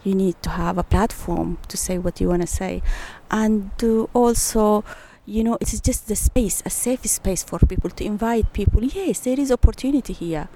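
Gravelly older woman. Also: mid-range voice, normal speed, few pauses, dark tone, slight background noise, rough recording. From Eritrea. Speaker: interview guest. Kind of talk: casual interview.

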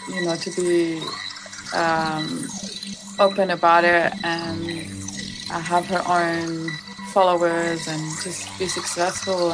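A Lebanese woman with a lowish voice interviews a musician in a casual chat, friendly and talkative, filling the conversation with fillers and laughter. Loud music plays in the background.

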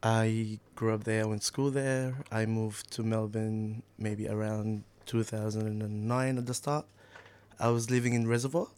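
A man from Egypt speaks in a low, even voice with little rise and fall. He answers a radio host in a relaxed way, often with short easygoing replies. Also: moderate pace, smooth. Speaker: youth community engagement worker. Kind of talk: casual radio interview.

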